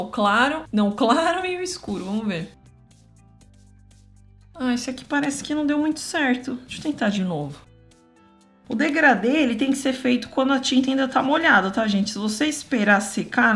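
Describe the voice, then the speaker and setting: A woman, chatting casually to viewers as she tests art markers close up. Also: mid-range voice. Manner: chatty, talks to viewers while drawing. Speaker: art youtuber testing markers.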